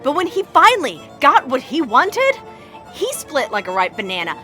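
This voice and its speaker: An actress playing a devoted, wounded wife in an audio drama, speaking with emotional pleading. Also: female voice, high voice, wildly swooping pitch, normal speed, pushed and bright, faint music behind, heavily acted. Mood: accusing, bitter.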